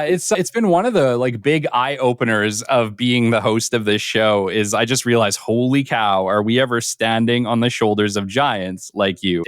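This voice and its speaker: A man's voice: on the low side, fairly bright tone, no room sound, studio quality. A man hosting a business podcast, introducing and interviewing a guest with effusive enthusiasm. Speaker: podcast host.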